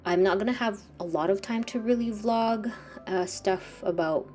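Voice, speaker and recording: Painting in her home art studio, a young woman vlogs casually in a medium-pitched voice at normal speed. She sounds congested and sniffly, soft-spoken, rambling and frequently correcting herself, while faint music plays in the background.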